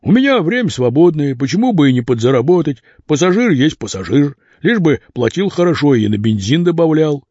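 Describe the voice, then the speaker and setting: A lazy, money-minded driver grumbles and drawls, as a man reads him aloud. The voice is husky and a little higher than plain talk. The recording is dull and dry. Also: sing-song, a little fast, few pauses, a little mellow, no echo. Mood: grumbling.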